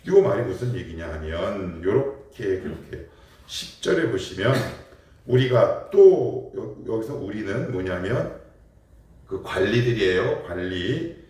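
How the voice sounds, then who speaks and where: A man's voice: lowish voice, lively intonation, slow, a little mellow. A man preaching a morning prayer sermon as pastor, explaining with rhetorical questions and acting out everyday dialogue. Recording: very echoey, mic far off.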